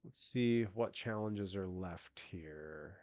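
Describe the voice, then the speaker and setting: A man's voice: deep voice, slow pace, darkish tone, muffled recording, slight background noise. A man streaming a video game, chatting casually and rambling, congested from allergies so he sounds like he has a cold. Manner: rambling, with many restarts and fillers. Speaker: gaming streamer. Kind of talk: casual live-stream chat.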